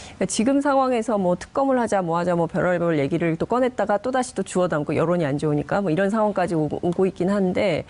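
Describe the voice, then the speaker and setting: Woman commentator with a slightly low voice. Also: expressive, quick pace, hardly any pauses, a little mellow. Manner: explanatory, long chained sentences. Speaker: panel commentator. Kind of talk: political news analysis in conversation.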